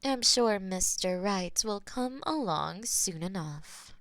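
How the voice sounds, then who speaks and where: Audio roleplay: a woman plays a smug, possessive female demon who teases in an unhurried purr, with a dry, close sound. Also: medium pitch, expressive, no room sound. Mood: teasing. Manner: teasing, slow and purring, drops to soft whispers.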